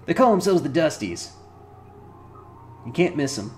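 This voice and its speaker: A chatty, wisecracking floating skull with a raised, brassy voice, as a man puts him on. He talks fast and loud, calling his companion "Chief" with a streetwise swagger. Faint game music plays underneath. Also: very animated. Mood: brash. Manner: high, brash and chatty.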